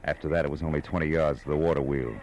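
An actor playing a tough, brusque American private detective in an old radio drama, clipped and wry. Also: male voice, extremely low pitch, steady tone, rapid-fire, darkish tone, a little hiss or hum. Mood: suspenseful narration. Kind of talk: 1940s American radio drama, narration and dialogue.

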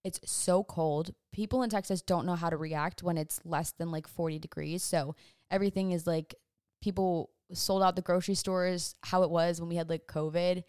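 A woman's voice: fairly low pitch, steady tone, normal speed, darkish tone, clear, resonant tone, no room sound, clean studio sound. Chatty young woman rambling storytime. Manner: chatty, rambling, sidetracks often. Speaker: vlogger. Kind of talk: casual storytime chat. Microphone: phone or camera on a stand.

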